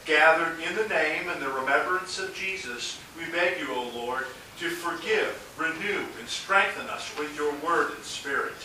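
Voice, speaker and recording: A man serving as pastor, reciting a solemn liturgical prayer at a measured pace in a large church with a cathedral echo. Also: on the high side, sharp tone. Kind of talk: liturgical prayer and words of institution. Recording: cathedral echo, distant mic, faint hiss.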